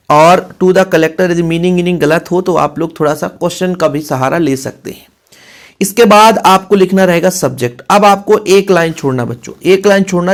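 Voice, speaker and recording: Male coaching teacher, slightly high voice, instructive delivery with repeated phrases and frequent check-ins. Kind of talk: classroom lesson explanation, Hindi mixed with English terms.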